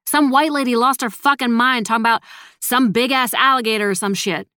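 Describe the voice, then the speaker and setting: A woman's voice: a little high, a little fast, sharp tone, dry recording, studio quality, pitched above the performer's own voice. A woman voicing a brash, slangy young neighborhood woman who respects her elders, in an audiobook. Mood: urgent gossip. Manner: slangy, casual.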